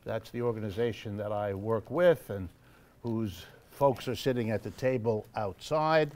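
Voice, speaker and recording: Wry, measured man addressing a live audience. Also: lowish voice, darkish tone. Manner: measured, wry, pausing with frequent fillers. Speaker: host of a monthly lecture event. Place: church hall with a live audience.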